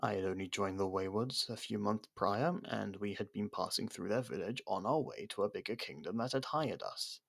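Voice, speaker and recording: An actor playing a proud, defiant captured royal in an ASMR roleplay, speaking in a haughty, halting, dramatic way. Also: male voice, on the low side, gravelly, fairly bright tone, husky, exaggerated voice. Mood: wistful.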